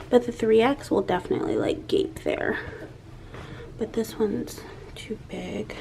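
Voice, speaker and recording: Taking it slowly with long pauses, a woman with a slightly high voice chats casually to camera in vlog style, peppering her words with "like". Clear background noise sits under her speech.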